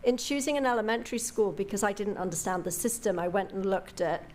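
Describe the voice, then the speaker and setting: A woman's voice: medium pitch, quick pace, slight background noise. A woman with a British accent, a parent, giving a grateful, chatty public comment at a school board meeting. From Britain. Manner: warm, grateful, chatty with fillers.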